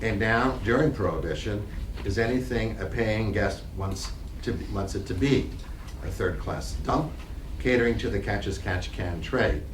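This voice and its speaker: A man's voice: lowish voice, moderate pace. Man narrating a play in an echoey room. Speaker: narrator reading stage directions. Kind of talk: scripted narration at a live play reading. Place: library reading room. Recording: echoey room, distant mic, faint noise.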